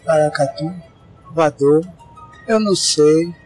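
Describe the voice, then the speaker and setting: Um homem interpretando um astronauta bêbado e atordoado, com fala arrastada, em um audiodrama. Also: male voice, on the high side, slow, a little mellow, faint music behind. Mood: drunk, dazed. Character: drunken male astronaut, dazed and confused.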